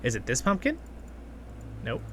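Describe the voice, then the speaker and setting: A man's voice: medium pitch, wildly swooping pitch, moderate pace, background noise. A man hosting a gaming channel, chatting enthusiastically and thinking aloud in casual gameplay commentary. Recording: music playing behind the voice. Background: music.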